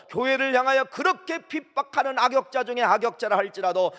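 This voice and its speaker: A man's voice: extremely high pitch, fairly bright tone. A man preaching a sermon as pastor in a church, emphatic and full of rhetorical questions that he answers himself. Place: church sanctuary. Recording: long church hall reverb.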